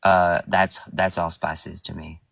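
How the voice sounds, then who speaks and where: Deep-voiced curious man on a distant line. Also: flat delivery, takes it slowly, vocal fry, fairly bright tone. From Puerto Rican background. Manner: chatty, curious questioner. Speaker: caller. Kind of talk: casual chat.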